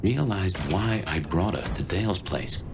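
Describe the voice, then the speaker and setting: An actor playing a wry, world-weary vampire detective companion in a video game, talking in a folksy, conversational way. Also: male voice, deep voice, expressive, measured pace, background noise. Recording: loud music behind the voice.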